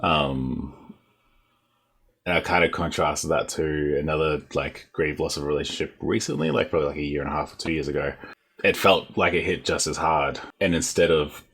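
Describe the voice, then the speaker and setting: An Australian man shares personal experience as a panelist in a casual way. His voice is extremely deep, with a husky, rough texture. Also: normal speed, a bit bright.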